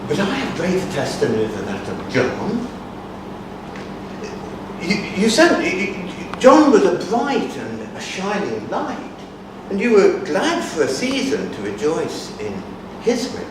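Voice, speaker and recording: A man's voice: high-pitched, huge pitch swings, measured pace, exaggerated voice. A man reciting as Jesus, grave and commanding. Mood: solemn. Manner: solemn, emphatic declaiming. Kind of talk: dramatic scripture recitation. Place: conference hall. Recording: echoey hall from far off, noisy.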